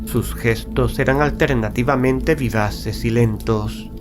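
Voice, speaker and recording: A man narrating a Gothic horror tale in a solemn, measured, literary style. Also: medium pitch, steady tone. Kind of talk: scripted horror audiobook narration. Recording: prominent music bed under narration. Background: music.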